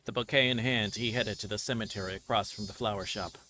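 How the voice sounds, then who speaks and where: A man's voice: on the low side, steady tone, fast talker, bright, forceful tone, a little hiss or hum. A man livestreaming a visual novel, reading its narration aloud and tripping over words now and then. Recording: music playing behind the voice. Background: game music.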